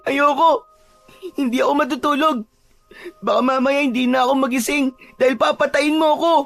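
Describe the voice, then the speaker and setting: A woman acts as a small captive boy in an audio drama. The voice is high and childlike, frightened and plaintive, begging politely over faint music. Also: steady tone, fairly quick, a bit bright. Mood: wary, pleading. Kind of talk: Filipino audio drama acting.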